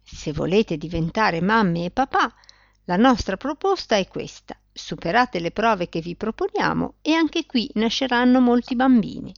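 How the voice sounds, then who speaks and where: A woman reading aloud, voicing a calm and confident little girl who persuades adults. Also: mid-range voice, measured pace, gravelly, dry recording, muffled recording, pitched above the performer's own voice. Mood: persuasive.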